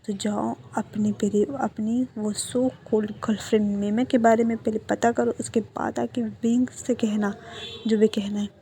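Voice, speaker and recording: A protective young man with a quick temper, scolding in a heated rush, as a woman reading a story voices him. The voice sits a little high. It stays plain, close to the reader's own. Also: flat delivery, mellow, slight background noise. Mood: angry. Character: hot-tempered young male best friend, protective.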